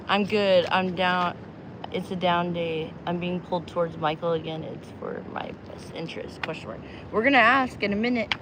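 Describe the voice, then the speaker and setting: A woman from New Mexico chatting casually on a live stream outdoors at the beach, greeting viewers and rambling between tarot readings. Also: lowish voice. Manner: chatty, bubbly, rambling, laughs easily. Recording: outdoor phone audio, loud wind noise. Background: wind and loud outdoor noise.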